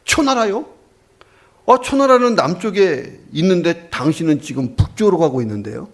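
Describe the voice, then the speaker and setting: A man's voice: high-pitched, expressive, normal speed. A man voicing a local who keeps insisting on directions to a traveler, with a raised, insistent delivery, told as a story in a sermon. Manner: insistent, increasingly exasperated.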